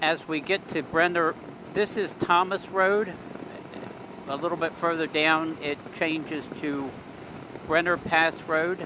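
A man's very slow, fairly even delivery, dry with no echo, over noticeable background noise. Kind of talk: casual ride commentary. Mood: relaxed, chatty. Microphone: helmet.

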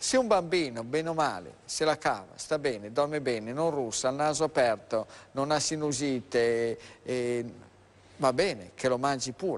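A man speaks at a moderate pace, his fairly high voice showing ordinary pitch variation. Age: 60s. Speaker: doctor; guest. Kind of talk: TV health talk show. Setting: studio. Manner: animated. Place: studio. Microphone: lapel.

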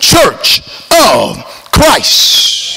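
A man is speaking. His voice is raised and projected. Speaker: preacher. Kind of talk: sermon. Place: church. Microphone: handheld.

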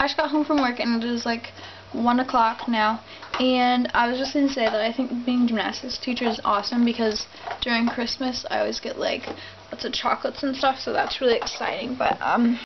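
This woman has a high pitch and a monotone, flat intonation, talking at a fairly quick pace. Noticeable background noise runs under her voice. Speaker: vlogger. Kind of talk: casual vlog chat. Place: home room. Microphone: phone near.

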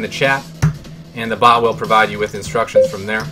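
A man's voice over faint music in the background. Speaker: poker streamer. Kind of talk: casual live stream commentary.

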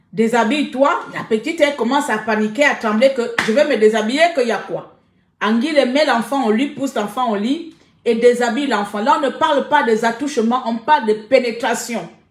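A woman with a high pitch and ordinary pitch variation speaks at a moderate pace against a quiet background, with audible room echo. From Gabon. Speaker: activist livestream host. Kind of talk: casual vlog chat, live-stream commentary. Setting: online live stream. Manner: animated. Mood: serious, indignant. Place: home room. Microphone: phone near.

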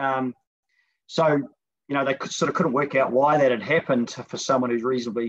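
A man with a New Zealand accent, medium in pitch with ordinary pitch variation, at a fairly quick pace. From New Zealand, Hawke's Bay. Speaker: teacher. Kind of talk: casual interview.

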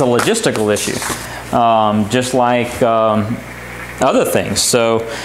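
A man speaks at a fairly slow pace amid light background noise and audible room echo. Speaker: lay preacher. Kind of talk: sermon. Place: home room.

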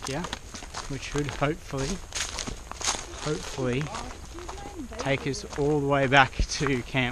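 The man keeps a moderate pace as loud background noise fills a dry recording with no echo. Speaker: hiker vlogger. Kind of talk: casual vlog chat. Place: forest. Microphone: phone near.

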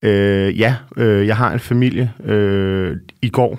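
A man speaks in a fairly low voice with fairly even intonation. The background is quiet and the sound is dry, with no echo. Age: 30s. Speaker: undertaker; podcast guest. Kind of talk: casual chat. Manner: halting. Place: studio. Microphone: studio mic.

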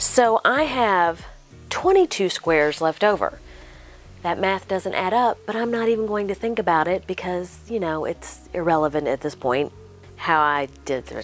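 The speech moves at a fairly slow pace in a dry sound with no echo, with faint music in the background. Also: woman. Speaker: quilting video host. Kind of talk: tutorial. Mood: cheerful, chatty. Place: home room. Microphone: lapel.

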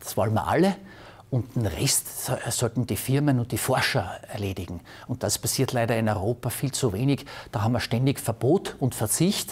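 A somewhat breathy voice at a moderate pace, with lively intonation. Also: man, medium pitch for a man. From Austria, Upper Styria; Austria. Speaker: industry association executive. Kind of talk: TV interview. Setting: studio. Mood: critical, firm. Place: studio. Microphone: lapel.

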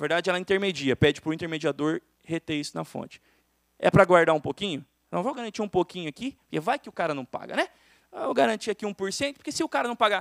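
A man at a very fast pace with very wide pitch swings, in a dry sound with no echo. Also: quiet background. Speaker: accountant and lecturer on taxation; lecturer on taxation. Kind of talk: lecture. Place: stage. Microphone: handheld.

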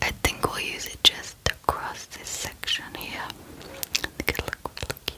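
A woman whispers at a fairly slow pace. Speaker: ASMR creator. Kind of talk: ASMR personal attention roleplay, close-up whispering. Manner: whispered, soft-spoken, slow. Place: home room.

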